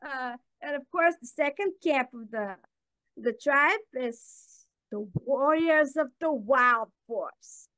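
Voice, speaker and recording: A high-pitched woman in her twenties from Bulgaria, speaking English as a second language after native Bulgarian. Her voice is bright and sharp, and she talks in a halting way with frequent fillers and restarts. The recording is dry and close. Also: no room sound. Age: 20s. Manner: halting, many fillers, laughs. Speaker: panel guest. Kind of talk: casual chat.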